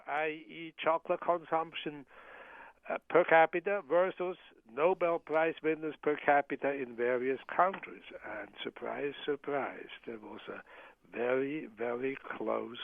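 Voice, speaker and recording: A man from Switzerland, a professor of medicine, speaking as an interview guest in a measured, hesitant way. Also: a little high, vocal fry, no room sound. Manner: measured, hesitant with frequent uh fillers and restarts. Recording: tinny phone line.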